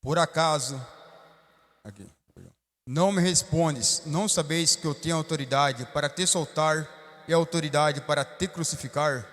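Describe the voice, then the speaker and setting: A man's voice: on the high side, normal speed, a bit bright, lightly acted. A Brazilian man reading the part of Pilate, a stern, questioning governor, in a liturgical Passion reading. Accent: Brazilian Portuguese. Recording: long church reverb.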